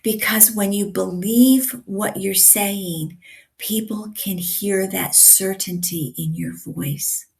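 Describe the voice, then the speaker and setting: Woman communication coach, slightly raspy, unhurried and emphatic, gravelly edge. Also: medium pitch, darkish tone. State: raspy from yelling at a concert. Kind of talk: teaching to camera.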